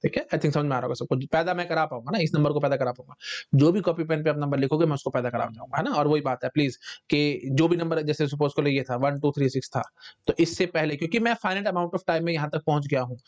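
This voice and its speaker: A man teaching a recorded math lecture in mixed Hindi and English. He keeps checking in with his students and dictates definitions slowly, word by word. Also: fairly high pitch. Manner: repetitive, checks in with "है ना?" and "ठीक है". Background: dogs barking outside.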